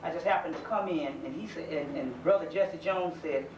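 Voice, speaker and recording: A man's voice: on the high side, brisk. A man from South Carolina with a Southern accent, giving a folksy, earnest community lecture in a conversational way. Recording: echoey room, mic far off, faint hiss.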